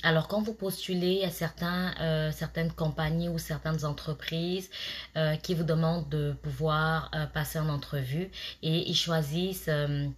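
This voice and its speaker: Low husky woman giving casual advice. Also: steady tone, a little slow. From immigrant to Canada. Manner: chatty, many fillers and restarts. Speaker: vlogger giving job interview tips. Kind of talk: casual advice talk to camera.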